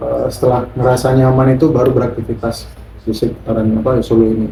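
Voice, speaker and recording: Amid noticeable background noise and audible room echo, a man talks at a very fast pace and a medium pitch, with monotone, flat intonation. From East Java (Situbondo, Madurese community). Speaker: designer. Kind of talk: podcast interview.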